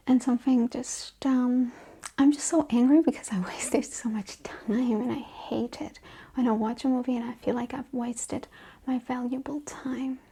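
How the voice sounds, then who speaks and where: Breathy, softly spoken ASMR woman. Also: fairly high pitch. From Russia. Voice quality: soft, breathy, often dropping into whisper. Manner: sassy, incredulous, emphatic. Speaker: ASMR video host. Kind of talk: softly spoken ASMR chit-chat film rant.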